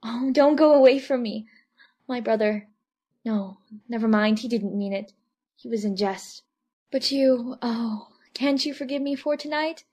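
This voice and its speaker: A man's voice: very high voice, a little slow, a little mellow, pitched above the performer's own voice. A man voicing a lovesick young actress in a storybook reading, desperate and devoted, pleading breathlessly. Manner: imploring, repetitive, breathless pleading.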